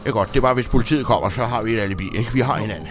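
A man's voice: medium pitch, faint music behind, close to an everyday voice. A man playing a bossy, impatient male burglar who hisses orders in an improvised comedy radio play. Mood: scheming.

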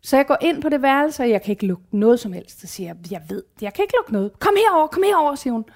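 A woman's voice: fairly high pitch, expressive, creaky, a little mellow. A woman in her forties chatting casually and candidly, telling personal stories with swearing and acted-out quotes. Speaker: guest. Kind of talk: casual chat, personal storytelling.

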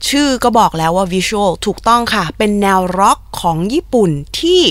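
A young woman hosting a casual explainer podcast. She talks in a chatty, playful way, repeats soft polite particles and drops in Japanese words. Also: medium pitch, animated, normal speed, no echo. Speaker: podcast host.

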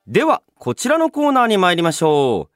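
A man hosting a radio show, chatting and reading listener mail in a polite, expressive manner. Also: sits high, normal speed. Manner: polite, expressive, often breaking into laughter. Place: radio studio. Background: background music.

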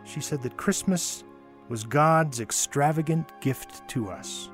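A man giving a theatrical, expressive dramatic reading of a childhood holiday memoir, with wonder and deliberate pauses. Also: on the high side. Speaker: storyteller. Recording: music under the voice. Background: music.

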